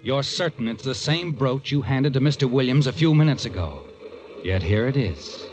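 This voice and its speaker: An American actor playing a taunting, knowing, ominous narrator of a 1940s radio suspense drama. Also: male voice, mid-range voice, animated, normal speed, muffled recording, background noise, natural voice. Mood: suspenseful. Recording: band-limited vintage radio recording.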